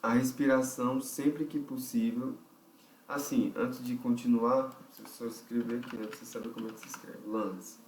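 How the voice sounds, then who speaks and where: In a vocal technique lesson, a Brazilian Portuguese-accented man walks through each step, thinks out loud and keeps asking how the listener is doing. His mid-range voice shows little pitch movement, is a bit mellow and moderately paced. It's recorded on a roomy, distant mic with slight background noise.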